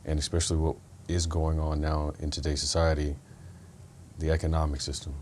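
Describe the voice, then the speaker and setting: A man hosting an interview, affirming his guest and speaking in a steady, pointed way. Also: extremely low pitch, a little fast, a little hiss or hum. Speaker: podcast host. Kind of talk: conversational interview.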